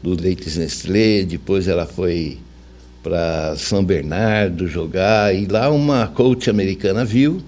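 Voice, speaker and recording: A man's voice: lowish voice, darkish tone. An older man with a Brazilian accent, telling anecdotes casually and colloquially as an interview guest. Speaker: interview guest, veteran radio journalist.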